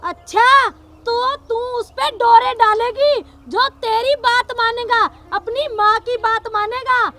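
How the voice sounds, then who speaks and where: A woman's voice: very high voice, steady tone, slow pace, bright, forceful tone, slight background noise, full character voice. A woman playing a haughty older mother-in-law, the village headwoman, who scolds and boasts. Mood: domineering.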